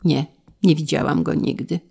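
A woman voicing a frightened young maidservant who gives nervous but clear testimony. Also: sits low, steady tone, normal speed, mellow, heavily acted.

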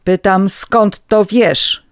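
A reader doing a haughty older lady of the manor, cold and dismissive. She is read at a slow, measured pace in a dry, close audiobook recording. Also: medium pitch, fairly even intonation, smooth, no room sound, voice pushed up. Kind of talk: audiobook reading.

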